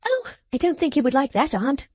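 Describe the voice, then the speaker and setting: Reader as a high, gushing, coquettish woman. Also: big pitch swings, a little fast, a little mellow, no echo. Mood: coy, fluttery. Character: gushing, coquettish, fussy middle-aged woman.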